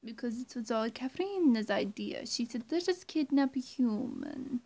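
A young woman playing a menacing, two-faced female vampire in a roleplay, halting and often breathy, sweet one moment and threatening the next. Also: on the high side, lively intonation, dark tone. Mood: coaxing, wary. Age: young adult. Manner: halting, teasing threats with long pauses, often dropping to breathy near-whisper. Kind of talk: roleplay addressed to the listener. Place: small room at home, indoors.

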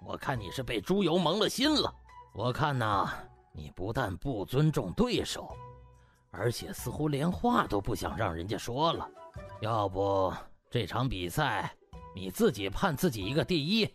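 A stern old senior doctor acted by a male narrator speaks low and reproachfully. He is an authoritative audiobook character, with music behind him. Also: sing-song, unhurried, fairly bright tone. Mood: cold scolding. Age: older.

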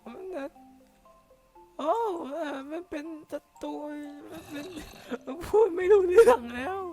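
Very high, squeaky young game hero: excitable, easily startled, cursing. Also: male voice, unhurried, soft background music, heavily acted. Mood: excited. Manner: excitable, yelps and curses when startled. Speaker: game caster. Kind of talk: playing and narrating a block-building game in a put-on voice.

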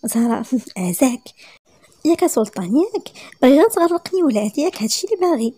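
Moroccan woman doing a fiery young mum in a story, husky and quick. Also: sits high, warm tone. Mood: protesting. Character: young mother, teasing and fiery wife. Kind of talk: storytelling with acted dialogue.

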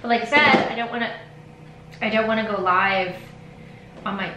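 This is casual vlog chat from a woman in her forties, speaking at a moderate pace in a mid-range voice. She rambles self-deprecatingly to the camera in her home nail studio lined with shelves of polish, and the audio is reverberant with a noisy background.

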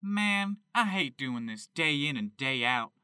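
A man playing an excitable young chicken farmer who talks in a folksy, exclamatory way in an amateur audio drama. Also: on the high side, a little slow, clear, resonant tone, dry recording, exaggerated voice. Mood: weary. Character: excitable young male Kentucky chicken farmer, devoted to animals.

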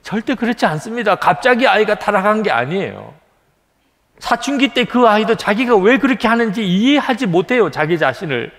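A middle-aged male pastor delivers a sermon with an earnest, lively rise and fall in his voice. He sits a little high for a man. His words ring out with the long reverb of a large church sanctuary. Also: brisk. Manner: earnest preaching, acts out a child's plaintive voice in quotes.

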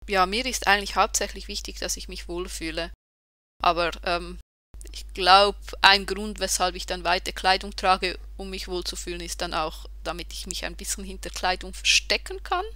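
A podcast co-host in their thirties from Switzerland, chatting in a relaxed, wry way and correcting themselves as they go. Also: mid-range voice, normal speed, dry recording. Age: 30s. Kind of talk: casual podcast chat.

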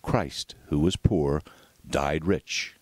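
Deep voiced guy doing a solemn sermon reading, very dramatic, dry close sound. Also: very slow, dry recording. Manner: solemn, dramatic oratorical delivery. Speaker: reader of a devotional book.

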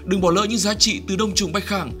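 Bright, high-pitched male advert announcer. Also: steady tone, brisk. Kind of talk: scripted commercial voice-over. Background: music.

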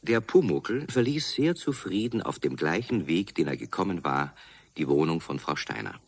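A man's voice: deep voice, no echo. A man narrating a children's radio play as a scripted story.

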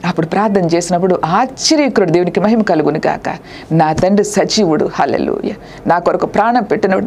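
A woman's voice: mid-range voice, darkish tone, a little hiss or hum. A middle-aged woman preacher giving an emotional testimony sermon in a TV studio, fervent, with repeated hallelujahs and tearful prayers. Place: TV studio set.

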